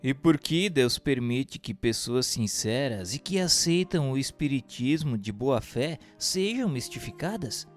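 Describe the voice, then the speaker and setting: Slow, reverberant Brazilian male narrator. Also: mid-range voice, expressive. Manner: formal, measured. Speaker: narrator and questioner. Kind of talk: scripted narration of a spiritist text. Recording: long hall-like reverb, music bed.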